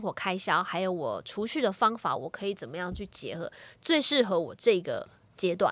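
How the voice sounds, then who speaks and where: Over a very clean recording with a silent background, a woman at a medium pitch speaks at a moderate pace in an unremarkable speaking voice. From Taiwan, Miaoli (Hakka). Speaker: financial planner. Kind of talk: casual interview.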